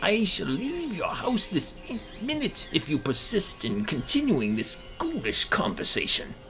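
A man voicing an indignant, excitable old gentleman in a melodramatic horror story reading. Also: high voice, a little slow, full character voice. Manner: blustering, melodramatic. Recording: voice over background music.

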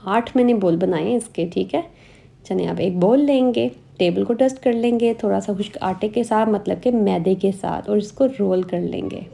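A woman, calmly guiding viewers step by step through a recipe as a cooking host in voice-over. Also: mid-range voice, moderate pace, vocal fry. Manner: calm step-by-step instructions.

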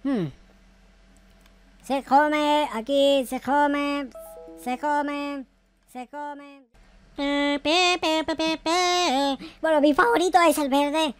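A man playing a naive, panicky noob game character in excited, repetitive roleplay commentary. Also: very high voice, extremely slow, pauses often, heavily acted. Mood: excited, curious. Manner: frantic, repetitive, exclamatory. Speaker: gaming video creator. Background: faint music.

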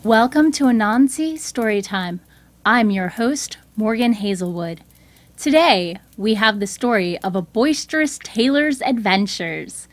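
A woman with a fairly high voice narrates a scripted tale as host. Her storytelling is clear, and the recording is close and dry. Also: lively intonation, measured pace, no room sound.

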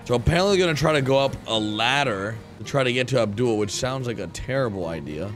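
A young American man narrates his roleplay gameplay in a casual, slangy way. His delivery is animated, with a mid-range voice close on the mic and faint music underneath. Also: medium pitch, quick pace. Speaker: gaming video creator playing a police officer. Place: indoor room at a gaming setup.

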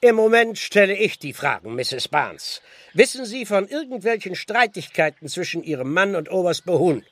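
An actor playing a stern, impatient village constable in a radio play, officious and brusque, with speech. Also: male voice, high voice, very animated, moderate pace, no room sound, exaggerated voice. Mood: stern, insistent. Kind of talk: German radio play acting.

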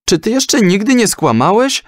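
A man's voice: high voice, big pitch swings, moderate pace, no echo, clean studio sound, voice pushed up. A man voicing an earnest, bold young son who asks probing questions in a children's audio story. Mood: insistent.

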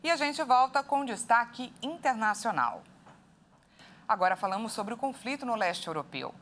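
A woman's voice: on the high side, lively intonation, moderate pace, fairly bright tone. A Brazilian woman, around her thirties, presenting live television news as an anchor. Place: TV studio with large windows. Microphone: lapel.

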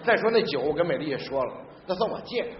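An actor playing a hearty, principled middle-aged factory director in a stage comedy sketch, blunt and emphatic. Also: male voice, a little high, sing-song, quick pace. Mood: friendly reproach. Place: large theater stage before a live audience. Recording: echoey theater stage, muffled, noisy.

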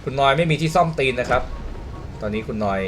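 A young man with a hoarse voice commentating a game replay in a casual way, explaining the mechanics and exclaiming at big shots. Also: mid-range voice, expressive, quick pace, fairly bright tone, soft background music. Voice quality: hoarse from just waking up.

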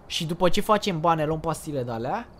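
Young guy streaming a game, hyped and slangy, talking to chat, noisy background. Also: on the high side. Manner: excitable, slangy, talks to chat. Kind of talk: casual live gaming chat.

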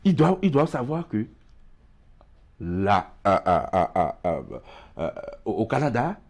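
Lively African-accented man in a studio. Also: lowish voice, unhurried. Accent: West African French. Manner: gestures widely, many repeated words and hesitations. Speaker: studio guest, emigration expert. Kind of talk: morning TV studio interview. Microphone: lapel mic.

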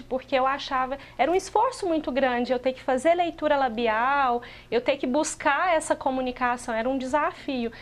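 A woman in her forties, a sign language interpreter, speaking steadily and explaining on a TV talk show, recorded in a studio on a lapel mic. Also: high voice. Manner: steady, explanatory, with frequent restarts. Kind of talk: TV talk show guest, voicing a deaf guest's answers.

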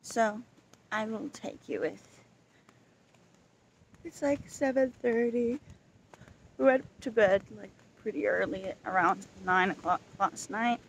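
A woman chats casually into a handheld camera while camping by the beach. She talks in a relaxed, rambling way with plenty of fillers, at an ordinary pitch. Steady outdoor noise runs clearly behind her voice. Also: slow pace, long pauses, low-quality recording. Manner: relaxed, chatty, many fillers and restarts. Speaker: vlogger. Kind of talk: casual vlog chat to camera.

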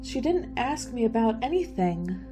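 A woman's voice: a little high, big pitch swings, a little slow, dark tone, faint music behind. A woman playing an anxious, timid young college student in a radio play, hesitant and easily startled. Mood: puzzled.

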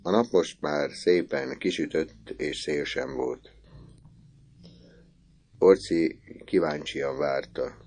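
A man reading a classic novel aloud as an audiobook narrator, measured and expressive. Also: rumbling low.

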